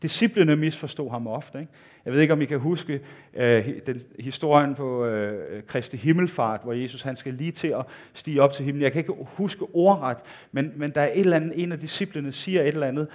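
A man delivers a sermon with a voice pitched a little above the usual male range. His manner is earnest and intimate. He pushes up for emphasis and sinks to near-quiet at the close of each thought. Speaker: preacher.

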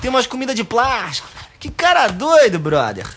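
A man's voice: extremely high pitch, huge pitch swings, normal speed, a bit bright, a little hiss or hum, full character voice. A man with a Brazilian accent playing an aggressive, slangy, mocking survivor who swears brashly in a radio drama. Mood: mocking, irritated.

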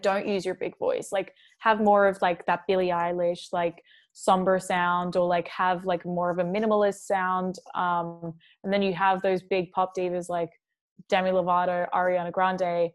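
A young adult woman, a singer, chatting casually in an interview, full of fillers and quoting herself. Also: mid-range voice.

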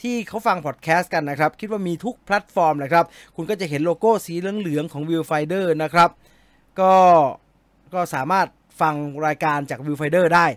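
Man, movie talk host, high voice, dry close sound, chatty and joking, polite live-stream banter. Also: moderate pace, dry recording. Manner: chatty, jokey, polite particles. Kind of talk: casual live-stream chat reading viewer comments.

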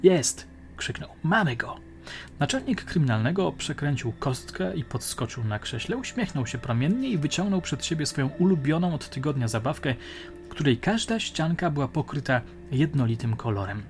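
A man narrating a crime audiobook in a measured, dramatic storytelling manner. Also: on the high side, big pitch swings, faint music behind. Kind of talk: audiobook reading.

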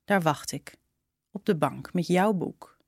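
A woman narrating a short story in a slow, intimate reading style. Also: on the low side, darkish tone, breathy edge, no room sound, clean studio sound. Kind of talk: scripted storytelling.

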